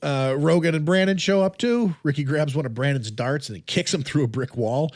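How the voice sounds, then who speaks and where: A man's voice: a little high, fairly quick, no room sound, studio quality. A man hosting a podcast, recapping a horror film plot in casual chat, with frequent "uh"s and laughs. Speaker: podcast host.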